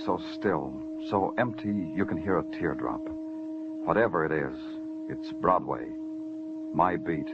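A man's voice: deep voice, animated, a little slow, very noisy. An actor playing a world-weary male police detective who narrates a 1950s radio drama tersely. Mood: brooding. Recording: muffled old radio broadcast with score.

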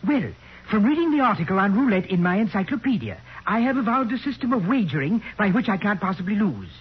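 A man's voice: high voice, sing-song, quick pace, slightly rough, heavily acted. An actor playing a prim henpecked professor in his fifties, speaking formally and precisely in 1940s radio style. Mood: eager, pedantic. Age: 50s. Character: prim henpecked middle-aged male professor, naive and stubborn. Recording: muffled old radio recording with hiss.

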